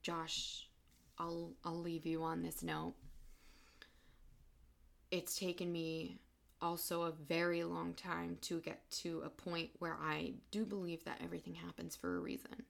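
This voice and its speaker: A young woman talks straight into her podcast mic. Her voice sits low and has a gravelly fry. She speaks in a halting, emotional way, close to tears, and often pauses between phrases. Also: little pitch movement. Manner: emotional, halting, soft-spoken. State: tearful. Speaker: podcast host. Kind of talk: personal podcast monologue.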